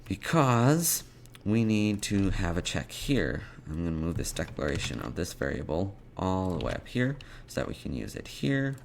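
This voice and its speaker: A man presenting an unscripted programming tutorial, thinking aloud in a halting way as he types out code. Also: low-pitched, very animated, creaky, a little hiss or hum.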